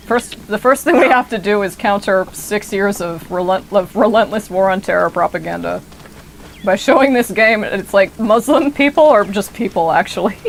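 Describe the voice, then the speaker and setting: A young American woman streamer thinking out loud while she plays. She rambles and digresses, swearing freely. Her pitch sits at an ordinary middle level, with faint noise in the background. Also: normal speed, creaky, poor audio. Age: 20s. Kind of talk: casual gameplay commentary.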